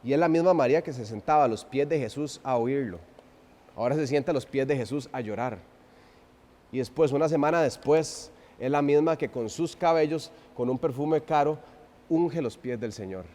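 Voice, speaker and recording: A man preaching an expository sermon, swinging from loud emphasis to hushed, drawn-out phrases and asking the congregation rhetorical questions. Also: medium pitch. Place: church sanctuary. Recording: long reverb of a church hall.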